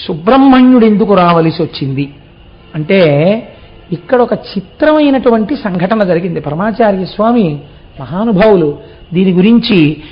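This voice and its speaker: Man, high-pitched, devotional sermon, rhetorical questions, muffled low-fi sound. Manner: explanatory, asks rhetorical questions. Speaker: religious discourse speaker.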